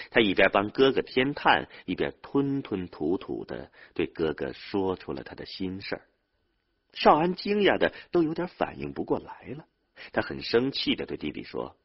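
A man's voice: sits low, husky, lo-fi sound. A man narrating a novel as an audiobook, telling the story expressively with dramatic swings.

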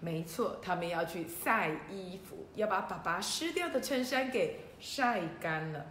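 A woman hosting a children's story show, telling the tale in a lively way and speaking directly to the young listeners. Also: medium pitch, measured pace, slight background noise. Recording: roomy echo.

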